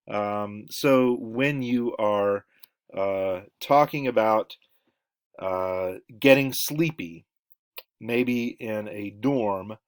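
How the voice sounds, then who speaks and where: Halting man lecturing. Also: lowish voice. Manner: halting, many fillers and restarts. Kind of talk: recorded lecture.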